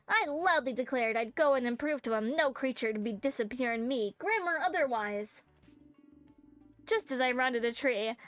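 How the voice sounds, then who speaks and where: A woman voicing a boastful old male sailor who tells a tall tale slowly. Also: high-pitched, a bit bright, no room sound.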